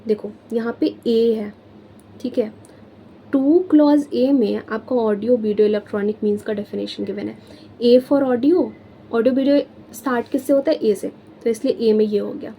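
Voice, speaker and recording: A woman's voice: fairly high pitch, fairly even intonation, moderate pace, highs cut off, slight background noise. A young Indian woman teaching law, mixing Hindi and English with friendly check-ins as she explains memory tricks. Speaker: law tutor. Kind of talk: exam-prep lesson.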